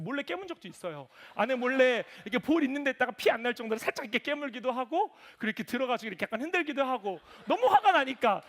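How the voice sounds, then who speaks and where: A man in his thirties preaching a sermon in church, telling lively family stories and acting out voices. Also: extremely high pitch. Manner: animated storytelling, voices his toddler and himself. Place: church sanctuary.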